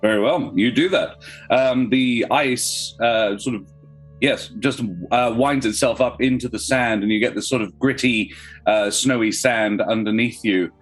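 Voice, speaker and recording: A man's voice: mid-range voice, measured pace, faint music behind. A man with an Australian accent, narrating a tabletop game as its game master. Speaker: game master, podcast member.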